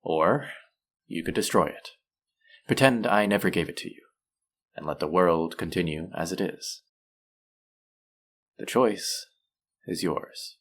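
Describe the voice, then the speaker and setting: A man playing a suave, manipulative supervillain in an intimate audio roleplay, measured and teasing, softly menacing yet tender toward his captive. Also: heavily acted. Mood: resolute, coaxing. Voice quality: low, creaky voice.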